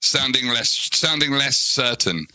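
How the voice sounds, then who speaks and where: A man's voice: mid-range voice, animated, measured pace, bright, forceful tone, no room sound, rough recording. A man chatting and bantering on a live panel with dry sarcasm. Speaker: English teacher on a live panel. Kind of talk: casual bantering chat.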